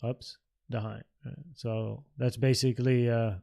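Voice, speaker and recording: In a mid-range, creaky, dark voice with flat delivery and a measured pace, a Dutch man in his thirties from the Netherlands runs a casual trading livestream. He answers viewer questions and comments on the market, musing aloud informally.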